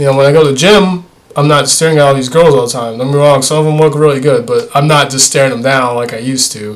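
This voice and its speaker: A man's fairly high-pitched voice carries audible room echo. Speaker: vlogger. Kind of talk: casual monologue. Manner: hesitant, many fillers. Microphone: poor mic quality.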